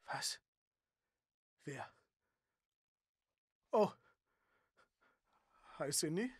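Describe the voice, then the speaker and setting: A man's voice: on the high side, very animated, extremely slow, slightly rough, no echo, clean studio sound, full character voice. A man playing an awkward middle-aged father in a horror audio drama, speaking hesitantly. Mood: surprised.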